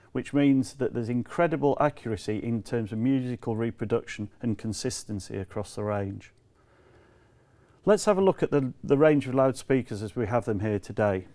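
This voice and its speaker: A man presents products to camera in a measured, explanatory way, stressing key words. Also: mid-range voice, a little mellow. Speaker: company representative presenting products.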